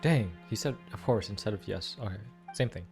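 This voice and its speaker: A man's voice: fairly low pitch, lively intonation, brisk, over music. A young man giving casual, slangy gaming commentary with lots of exclamations. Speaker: game streamer reacting to a story quest.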